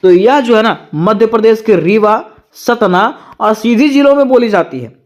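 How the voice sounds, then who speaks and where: At a normal speed and medium pitch, a teacher lectures for exam prep, reading from notes. The approach is to explain each point simply, then ask listeners about it before giving the answer.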